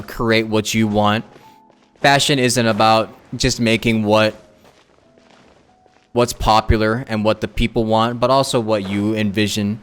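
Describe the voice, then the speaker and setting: A man's voice: on the low side, a bit bright, smooth. A young man giving casual livestream commentary on a game in an informal, slangy way. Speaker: game streamer. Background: faint game music.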